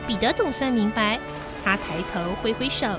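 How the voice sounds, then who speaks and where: High-voiced woman telling a bedtime story. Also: moderate pace. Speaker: children's story show host and narrator. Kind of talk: expressive children's bedtime storytelling. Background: background music.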